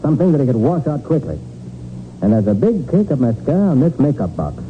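An actor playing a brisk, confident private detective with crisp authority in a 1940s radio crime drama. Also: male voice, mid-range voice, very animated, close to an everyday voice. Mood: reasoning, insistent. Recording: narrow, noisy 1940s radio recording.

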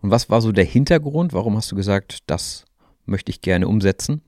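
A man's voice: on the low side, expressive, normal speed, darkish tone, dry recording, clean studio sound. A young man hosting a podcast interview, asking questions in a friendly, inquiring way. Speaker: podcast host.

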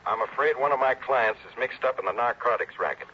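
A man's voice: medium pitch, fairly quick, sharp tone, a little hiss or hum, lightly acted. An actor playing a friendly insurance agent in a 1960s radio drama, bantering with his investigator. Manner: teasing, then earnest. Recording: dull vintage radio broadcast.

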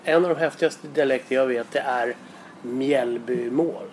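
Man, Stockholm accent, lively panelist, faint noise. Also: medium pitch. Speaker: podcast panelist. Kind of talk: casual podcast chat.

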